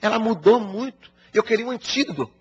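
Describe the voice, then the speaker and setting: A troubled young wife pleads earnestly for advice, as a man puts her on. The voice is husky and somewhat high, with lively pitch swings. The recording is dull and lo-fi. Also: brisk, full character voice. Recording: dull lo-fi broadcast audio.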